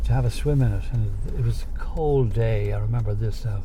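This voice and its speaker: A man's voice: on the low side, fairly quick. A man in his eighties with a Dublin Irish accent, reminiscing casually in a hesitant, rambling, agreeable way. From Dublin, Ireland. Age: 80s. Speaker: interviewee looking back on his life. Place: inside a moving car. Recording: noisy car interior, dull sound. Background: loud road and engine noise.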